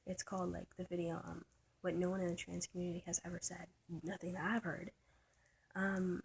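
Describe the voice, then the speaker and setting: Halting, gravelly-voiced trans man. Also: high-pitched, slight background noise, poor audio. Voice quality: soft, light voice. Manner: halting and searching, many restarts and trailing whispers; confiding, thinking aloud. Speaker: vlogger. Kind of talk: personal reflective vlog monologue.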